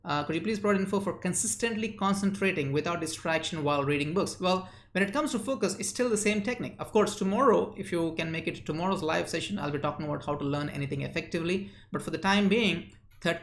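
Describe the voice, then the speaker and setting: A man's voice: high voice, fairly bright tone, echoey room. A man from India hosting a live stream, reading viewers' chat messages aloud and answering them with lots of uh fillers. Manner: chatty, reads chat names and answers quickly, frequent uh fillers. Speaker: live-stream host and memory coach.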